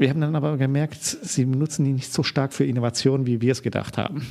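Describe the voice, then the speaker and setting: A man with a strong Swiss German accent. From Switzerland. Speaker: business consultant, former CEO. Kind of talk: interview.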